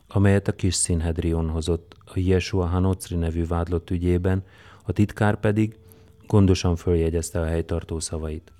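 A man narrating an audiobook in a measured, even manner. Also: sits low. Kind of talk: scripted narration.

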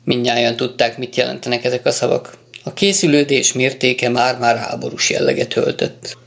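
A man narrating an audiobook in an even, measured way. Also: medium pitch, creaky. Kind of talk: audiobook reading.

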